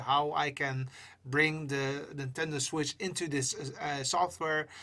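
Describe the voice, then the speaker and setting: The speaker has a Dutch accent, heard on a very clean recording with a silent background. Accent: Americanized Dutch English. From Netherlands. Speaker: tech streamer. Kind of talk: live stream chat. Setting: home studio, live stream. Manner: halting, many fillers.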